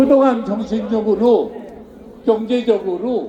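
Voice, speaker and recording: Over crowd noise in the background, a man speaks very slowly at an extremely high pitch. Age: 80s+. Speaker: pastor. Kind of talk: political rally speech. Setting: outdoors.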